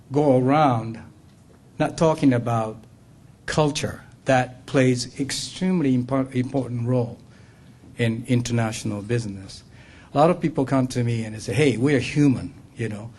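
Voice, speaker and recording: A man's voice: mid-range voice, darkish tone. An older man from Japan with a Japanese accent, giving an earnest business talk as a guest speaker at a luncheon and checking in with the room. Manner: earnest, laughs often, asks "okay?" and "right?".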